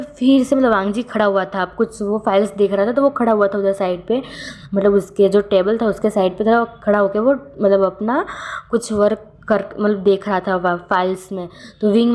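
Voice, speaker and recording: Woman telling a fan story off the cuff, lots of um-like fillers, mid pitch voice. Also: darkish tone. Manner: halting, many fillers and self-corrections; stammers and speeds up for the nervous secretary.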